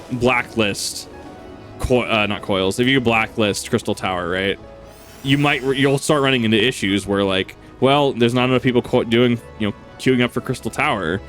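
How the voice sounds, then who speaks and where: A man's voice: medium pitch, fairly bright tone. A man streaming a game, chatting casually and rambling with lots of fillers and restarts. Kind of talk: casual gameplay chat.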